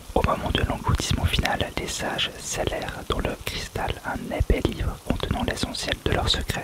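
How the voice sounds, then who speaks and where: Whispered words come at a fairly slow pace amid noticeable background noise. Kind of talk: hypnotic relaxation reading from a book.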